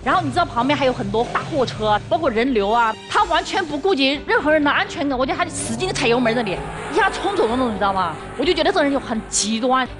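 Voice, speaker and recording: A woman's voice: high-pitched, animated, music in the background. A young woman guest on a dating-conflict TV show, complaining indignantly about her partner and cutting in on him. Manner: fast, indignant, cuts in. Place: TV studio stage.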